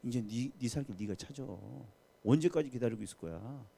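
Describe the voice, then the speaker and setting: A man's voice: mid-range voice, expressive, fairly quick, creaky, mellow. A preacher voicing a scheming male devil who needles and coaxes his listener in a familiar, talk-down way. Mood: taunting. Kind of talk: sermon retelling.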